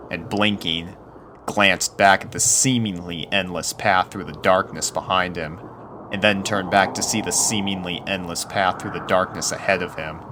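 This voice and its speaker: A man's voice: sits low, background noise. A man reading a spooky story aloud as a scripted narrator.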